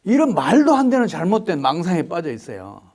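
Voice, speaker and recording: Animated high-voiced man explaining economics. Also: brisk. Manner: emphatic, lecturing with rhetorical questions. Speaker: economics expert guest. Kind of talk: interview answers.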